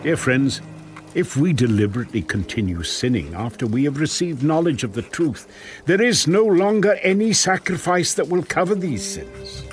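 A man's voice: a little high, sing-song, normal speed, soft background music. A man narrating dramatized scripture with earnest, emphatic, dramatic phrasing.

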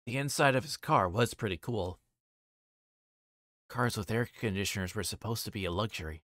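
A man's voice: lowish voice, moderate pace, fairly bright tone, no room sound, studio quality. A man livestreaming a visual novel, reading its narration aloud and sometimes stumbling and re-reading. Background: music behind the voice.

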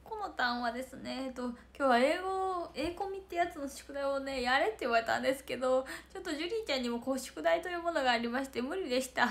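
A woman's voice: high-pitched, fast talker, vocal fry, few pauses. A woman in her late teens hosting a casual livestream, chatting and giggling while reading viewer comments. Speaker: idol livestream host.

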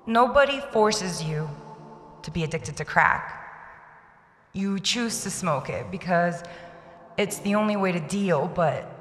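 An actress playing a weary woman addict confessing frankly and deliberately in a radio drama monologue. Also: on the low side, animated. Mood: bitter, candid. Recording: echoey hall with background noise.

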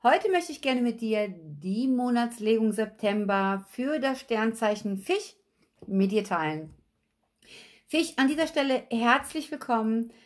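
A woman, slightly hoarse, giving a chatty tarot reading at a table and often checking in with viewers. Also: a little high, lively intonation, unhurried. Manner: chatty, repeats okay? and addresses viewers directly. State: slightly hoarse, recovering from illness. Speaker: tarot reader. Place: at a table with cards and a candle, indoors.

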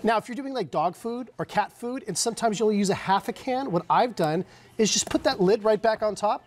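A man's voice: high-pitched, brisk. A middle-aged man giving a live, conversational product demonstration as a guest on a shopping show. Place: TV studio kitchen set.

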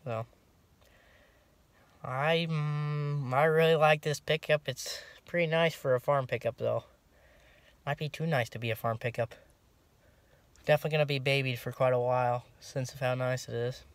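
A young man in casual vlog talk, filming himself on a phone at arm's length in a pickup cab, relaxed and rambling with lots of ums and restarts. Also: medium pitch, moderate pace, long pauses, dry recording. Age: young adult. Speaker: farm vlogger. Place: inside a pickup truck cab and outdoors around it. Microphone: phone held at arm's length.

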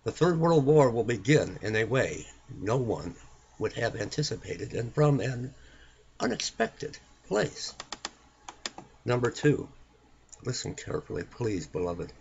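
A man reading religious text aloud like a preacher, solemn and emphatic, with pointed pauses and a husky, gravelly voice. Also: medium pitch, big pitch swings, darkish tone, highs cut off, slight background noise.

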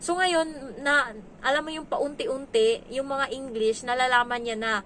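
A woman's voice: high-pitched, a little slow, a bit bright, slight background noise. A woman from the Philippines who works as a domestic helper, telling stories in a chatty vlog and acting out what people said. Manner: chatty, acts out quoted dialogue. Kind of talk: casual storytelling vlog.

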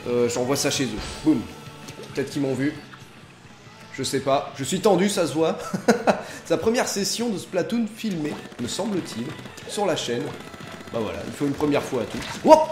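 A young man giving jokey, excitable commentary over an online game he is playing, dropping into low mutters and bursting into loud exclamations. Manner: excitable, jokey, swings between mutters and outbursts. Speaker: gaming YouTuber. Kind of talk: let's play commentary. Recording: echoey room with game music behind.

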